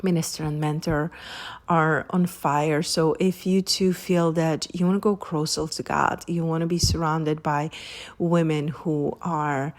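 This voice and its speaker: Earnest woman host, lowish voice. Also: level tone, unhurried. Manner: earnest, warm storytelling with quoted dialogue and light laughs. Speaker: podcast host. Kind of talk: faith encouragement monologue.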